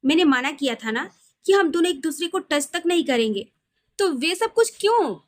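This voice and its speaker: A woman's voice: high-pitched, expressive, normal speed. A woman voicing a guarded young wife, shy but firm, in a romantic audio story. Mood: upset, accusing.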